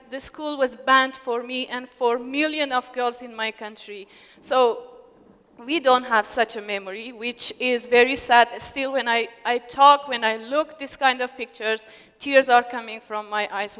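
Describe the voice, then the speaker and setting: Earnest high-voiced woman from Afghanistan. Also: fairly bright tone, clear, resonant tone. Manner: earnest, emotional, halting with restarts. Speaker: scholarship recipient speaker. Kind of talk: personal speech at a ceremony. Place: hotel ballroom. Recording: long reverb of a large hall.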